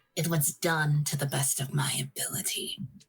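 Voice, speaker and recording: A put-on character voice, raspy and pitched low to middle. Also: moderate pace. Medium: actual play. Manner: impatient, surly.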